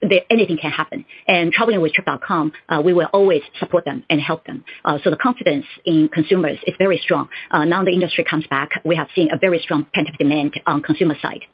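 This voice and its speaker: A woman executive speaks in a low, husky voice over muffled conference call audio. She answers analysts formally, pausing and halting as she goes. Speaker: company executive.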